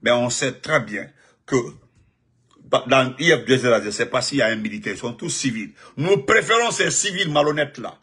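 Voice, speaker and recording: A man delivering a heated, mocking political monologue, given to sudden high outbursts and laughter. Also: moderate pace, pushed and bright, slightly rough. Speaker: political commentator. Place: United States.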